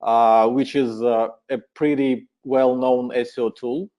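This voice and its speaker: A man with a Ukrainian accent presenting a webinar in a relaxed, friendly way, with many filler uhs. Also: medium pitch, unhurried, lo-fi sound.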